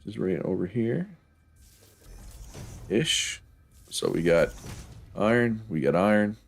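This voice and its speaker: A man with a low, gravelly, slightly mellow voice streams a factory-building game. He thinks aloud in a relaxed way, his nose stuffed up, chuckling often as he gives casual gameplay commentary.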